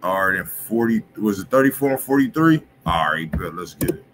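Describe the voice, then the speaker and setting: A man's voice: on the low side, lively intonation, brisk, noisy background. A man hosting a music review livestream in casual, slangy talk, often checking in with his listeners. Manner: laid-back slangy talk, keeps asking "you feel me". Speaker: music review show host. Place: indoor home music studio room.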